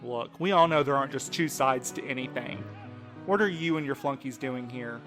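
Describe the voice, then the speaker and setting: A man's voice: mid-range voice, normal speed, music in the background, lightly acted. A man playing a wary, protective courier in an audio drama, speaking casually with a sardonic edge. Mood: wary, confrontational.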